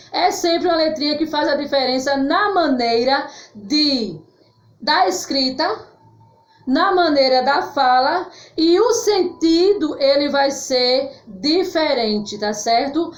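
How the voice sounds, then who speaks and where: Slow, high-voiced woman teaching children. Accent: Brazilian Portuguese. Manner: slow, clearly spelled-out words with frequent "tá certo?" check-ins; affectionate, calls pupils "meus amores". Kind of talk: grammar lesson for children. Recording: echoey room, slightly dull sound.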